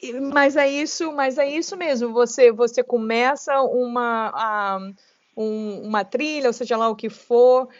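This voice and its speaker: Brazilian woman late 40s, fairly high voice, chatty restarts, dry dull podcast sound. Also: a little slow, no room sound. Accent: Brazilian Portuguese. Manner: animated, talks in bursts with many restarts. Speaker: guest, long-distance trail runner. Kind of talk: casual interview conversation.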